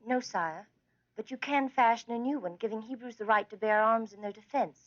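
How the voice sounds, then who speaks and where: A woman's voice: fairly high pitch, a little fast, natural voice. A woman voicing Queen Esther, earnest and imploring. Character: devoted young queen, earnest and pleading. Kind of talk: animated Bible drama. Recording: dull lo-fi sound.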